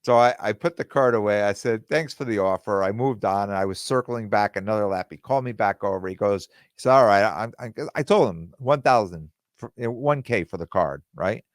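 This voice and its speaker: A man hosting his own podcast in casual, rambling talk, with plenty of fillers and restarts, and his voice going hoarse. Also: lowish voice, fairly quick, no echo, clean studio sound. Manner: quotes other people in dialogue. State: losing his voice. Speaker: podcast host.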